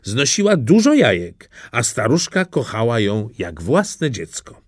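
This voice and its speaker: A man reading a fairy tale audiobook in an expressive storytelling manner. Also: medium pitch, unhurried, no echo, studio quality. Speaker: narrator.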